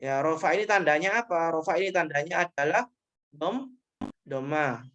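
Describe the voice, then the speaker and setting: A man's voice: on the high side, fast, a bit bright, highs cut off, slight background noise. A man teaching grammar in an online class, explaining patiently and repeating each point with short checking tags.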